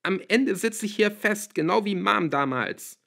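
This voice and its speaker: A man voicing a desperate teenage girl who shouts through tears, in an audiobook reading. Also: high voice, expressive, unhurried, creaky, pitched above the performer's own voice, exaggerated voice. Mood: bitter outburst.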